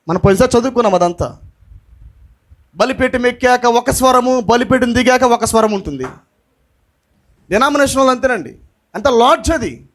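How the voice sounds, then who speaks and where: With a very high voice, a male pastor preaches passionately, slipping English phrases into his sermon and shouting the lines he means to emphasize.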